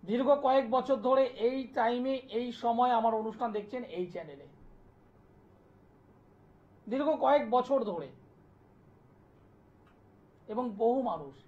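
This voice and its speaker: A man, an astrologer hosting a live TV call-in show, delivering an insistent, repetitive pitch and taking callers' details. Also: darkish tone. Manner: insistent, repetitive sales pitch, listing place names. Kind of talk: live TV promotional talk and phone call-in. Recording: dull lo-fi broadcast sound.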